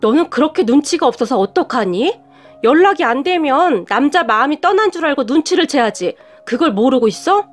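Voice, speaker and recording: A cold, scornful middle-aged mother, as a woman narrator puts her on, snapping and scolding in a storybook reading. The voice sits high, with faint music underneath. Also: expressive, brisk. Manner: sharp, scolding, talks down.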